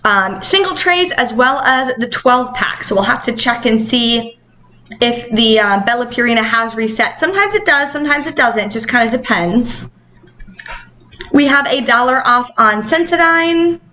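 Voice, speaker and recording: A woman with a high-pitched, bright voice chats through deals like a casual vlogger. Her speech is slightly affected by the retainers she is wearing, and her delivery is upbeat. Some background noise sits faintly behind her. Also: expressive, normal speed, low-quality recording. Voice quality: talking with dental retainers in, slightly altered articulation. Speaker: couponing vlog host. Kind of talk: casual coupon-deal vlog narration.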